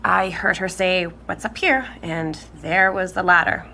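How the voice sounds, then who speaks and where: A grown daughter gives a measured, matter-of-fact interview in an audio drama. She speaks fairly low with a clear vocal fry, over faint noise. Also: pushed and bright, exaggerated voice. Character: matter-of-fact grown daughter recalling a relative's eerie house.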